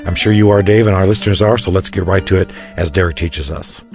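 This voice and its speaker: A man hosting a Christian radio program, his voice a bit raspy, chatting casually with some stumbles. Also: sits low, fairly even intonation, fast talker, music in the background. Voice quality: raspy today. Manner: warm conversational chat, some stumbles. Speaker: radio show host.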